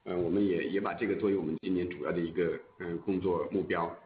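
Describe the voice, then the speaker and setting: A male executive answering on an earnings call in a deliberate, halting way. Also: low-pitched, fairly even intonation, slight background noise. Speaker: company executive answering questions. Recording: thin phone-like conference line.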